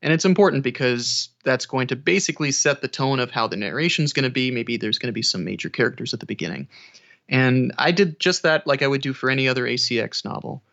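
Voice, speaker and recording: Bright-voiced man in dull lo-fi audio. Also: mid-range voice, fast talker. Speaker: audiobook narrator, interview guest. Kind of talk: casual conversational interview.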